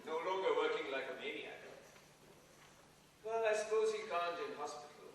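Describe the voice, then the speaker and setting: A man's voice: fairly high pitch, animated, moderate pace, slight background noise, lightly acted. A man playing an indignant, sarcastic friend, speaking with biting emphasis in a staged play reading. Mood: dry, suspicious. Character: Alfred, indignant, sarcastic male friend scolding a mathematician. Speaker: actor in a dramatised play reading. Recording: very echoey hall, distant microphone.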